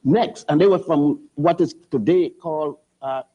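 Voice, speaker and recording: Older man lecturing, dark lo-fi tone. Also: a little high. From Puerto Rico. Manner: professorial, spells words out, halting restarts. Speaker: guest historian. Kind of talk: lecturing TV interview. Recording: dull lo-fi TV audio.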